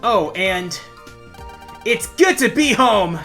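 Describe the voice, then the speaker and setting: A woman voicing an earnest, gentle young boy hero in a game story, speaking sincerely and a little hesitantly. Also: mid-range voice, expressive, slow, faint music behind. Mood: heartfelt. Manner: soft-hearted, sincere, hesitant.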